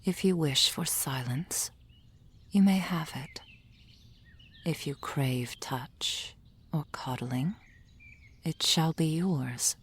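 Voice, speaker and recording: A woman voicing a gentle female soul healer in an ASMR roleplay, whispering softly and soothingly into a close microphone. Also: sits low, exaggerated voice. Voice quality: breathy whisper. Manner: soft whispering, slow and soothing. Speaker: ASMR performer.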